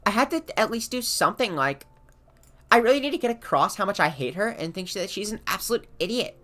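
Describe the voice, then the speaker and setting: A woman's voice: medium pitch, animated, fast talker, a bit bright. A woman chatting casually on a game stream, in a blunt, exasperated way. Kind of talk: casual chat.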